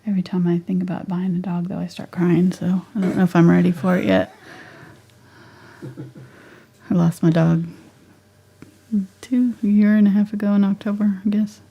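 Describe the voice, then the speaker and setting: Husky, half-whispering woman losing her voice. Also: lowish voice, level tone, highs cut off. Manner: soft, half-whispered, unhurried chatter while painting. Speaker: painting instructor. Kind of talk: live painting tutorial chat.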